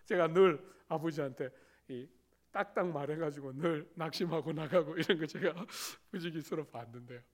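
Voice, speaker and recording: A man's voice: a little high, moderate pace. A middle-aged man preaching a sermon as a pastor, telling stories with acted-out quotes and rising emphasis.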